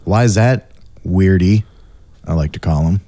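A man's voice: deep voice, measured pace, dark tone, no room sound. A man hosting a podcast, talking in a casual, rambling way with many fillers. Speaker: podcast host.

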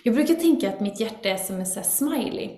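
A woman's voice: on the high side, echoey room. A woman guest talking earnestly in a casual conversation, now and then acting out her own inner voices. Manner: earnest, animated, with acted asides of her inner critic.

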